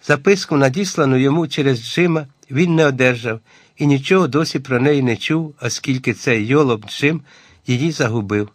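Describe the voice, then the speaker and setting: A man narrating an adventure audiobook in a measured, even storytelling voice of ordinary pitch. The sound is dry and close, with no room around it. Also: no room sound.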